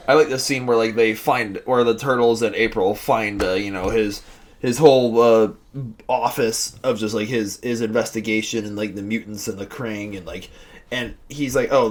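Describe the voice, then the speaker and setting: A young man hosts a casual review vlog in an ordinary mid-range voice. He rambles, restarts sentences and leans on fillers. He gets audibly excited as a fan. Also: mid-range voice. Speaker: host.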